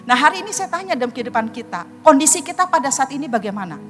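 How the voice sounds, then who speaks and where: A woman's voice: high-pitched, sing-song, very fast, fairly bright tone, in a large hall, soft background music. A middle-aged woman pastor preaching a sermon and telling a personal testimony, speaking earnestly and addressing the congregation directly.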